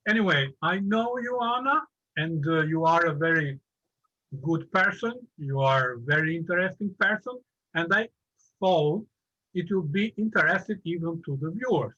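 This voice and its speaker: A man hosting an online interview, speaking slowly in broken, halting phrases. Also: on the high side, pushed and bright, lo-fi sound. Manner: slow, broken phrasing, non-native. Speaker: interview host. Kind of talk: online video-call interview. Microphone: video call.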